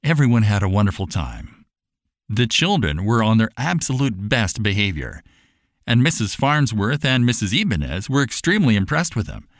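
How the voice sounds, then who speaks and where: A man narrating a scripted children's bedtime story in an animated storytelling manner. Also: on the low side, moderate pace, no room sound, clean studio sound. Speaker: audiobook narrator.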